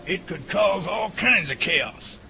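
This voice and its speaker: A man's voice: sits high, expressive, slow, creaky, exaggerated voice. A man acting a folksy, earnest Bigfoot researcher in a radio drama, full of old-fashioned exclamations and homespun idioms. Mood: earnest, excited. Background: music.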